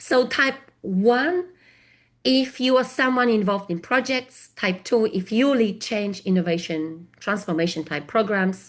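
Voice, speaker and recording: In a quiet background, a woman with a Polish accent talks fairly slowly at a fairly high pitch, her intonation lively. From Poland. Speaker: business consultant and webinar presenter. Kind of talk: webinar presentation. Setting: online webinar.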